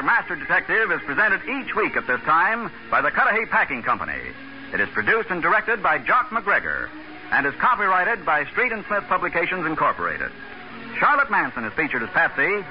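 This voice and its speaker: A man announcing in scripted, dramatic 1940s radio style. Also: high-pitched. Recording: muffled 1940s radio recording. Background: music.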